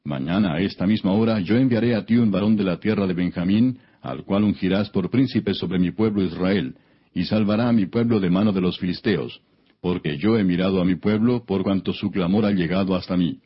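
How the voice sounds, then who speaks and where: A man reading the Bible as solemn scripted narration, in a measured, declamatory manner. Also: deep voice, husky, highs cut off.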